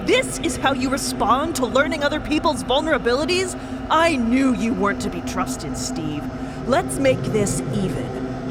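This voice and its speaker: A woman playing a fierce, judgmental warrior in an audio drama, forceful and confrontational. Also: a little high, very noisy.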